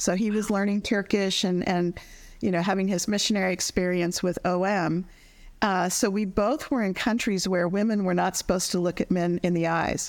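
In a plain, everyday voice, a woman with an American accent speaks at a medium pitch and a moderate pace. Her intonation is fairly even and her loudness very even on a very clean recording with a silent background. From Colorado. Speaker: impact investor. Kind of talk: interview.

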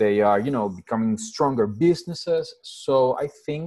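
A dark, mellow tone with a Spanish accent at a fairly slow pace. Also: man. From Puerto Rico, San Sebastian. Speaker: small business program director. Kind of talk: interview. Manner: halting, many fillers.

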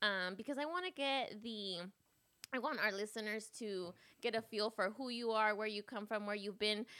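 A woman talks at a fairly high pitch with ordinary pitch variation. Her tone is bright and sharp. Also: moderate pace. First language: Spanish. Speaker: podcast host. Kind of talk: casual chat; scripted outro. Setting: studio, livestreamed on video.

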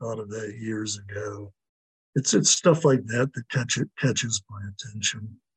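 Somewhat breathy, a man at a medium pitch talks at a moderate pace in a dry, close sound with no echo. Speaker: collector guest. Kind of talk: casual chat.

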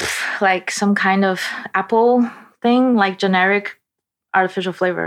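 A woman with an American accent and a medium pitch speaks at a fairly slow pace with fairly even intonation. She leaves long, frequent pauses. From Beijing, China, then Los Angeles area. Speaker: film night organizer. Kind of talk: casual chat. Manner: halting.

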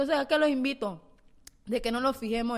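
This is a woman with an ordinary speaking voice. She talks at a moderate pace with ordinary pitch variation. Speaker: youth football player. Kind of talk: interview. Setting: video recorded on location in Doha.

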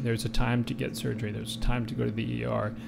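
There is noticeable noise behind a man as he talks. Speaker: acupuncturist. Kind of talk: casual interview chat.

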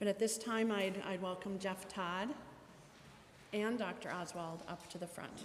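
A woman with an Upper Midwest accent, fairly even intonation and long, frequent pauses. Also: medium pitch for a woman, fairly slow pace. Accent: Upper Midwest American. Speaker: congregation member, worship leader. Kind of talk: announcements. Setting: church. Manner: reserved, low-key.

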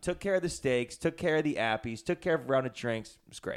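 A man with a plain, everyday voice speaks at a fairly quick pace in a fairly high pitch with ordinary pitch variation, on a very clean recording with a silent background. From Canada, Edmonton area. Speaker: podcast host. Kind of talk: casual chat.

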